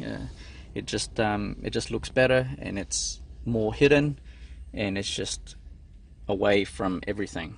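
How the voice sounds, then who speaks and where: A man's voice: fairly low pitch, creaky, a bit bright, no room sound. A man presenting a casual hands-on how-to tutorial. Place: in and around a car.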